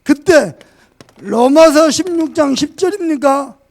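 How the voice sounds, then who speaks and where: Pastor guy preaching in church, really high voice, gravelly, goes from shouting to quiet. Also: expressive, takes it slowly. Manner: fervent preaching, swinging from shouts to quiet asides. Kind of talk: sermon. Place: church sanctuary.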